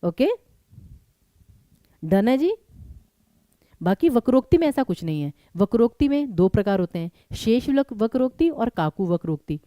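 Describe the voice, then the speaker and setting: With a mellow voice on the high side and big swings in pitch, a young woman leads a live online exam-prep class in Hindi laced with English words. She speaks briskly and repeatedly urges students to respond quickly; the sound is close and dry.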